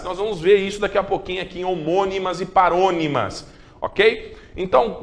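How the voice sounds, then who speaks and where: High-voiced playful male teacher. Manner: playful, coaxing, with pet names for students; repeats checks like "ok?" and "beleza?". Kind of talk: televised exam-prep lesson.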